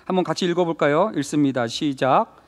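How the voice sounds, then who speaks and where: A man's voice: fairly high pitch, a little fast. A male pastor preaching a Wednesday sermon in a conversational way, asking the congregation questions and acting out short quoted lines. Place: church sanctuary. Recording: long reverb of a church hall.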